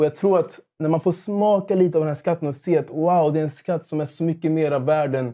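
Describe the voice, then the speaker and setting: Against a quiet background, a man talks at a fairly quick pace with hardly any pauses. His fairly high voice has a dark, mellow tone and fairly even intonation. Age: 20s. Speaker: youth leader. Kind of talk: testimony. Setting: TV studio.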